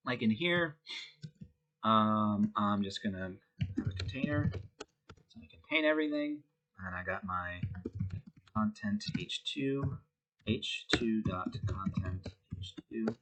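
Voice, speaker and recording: A man with a congested voice from a head cold, talking through a web coding tutorial in a relaxed way with many fillers. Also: lowish voice, rough recording. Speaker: web design instructor. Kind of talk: screen-recorded coding tutorial.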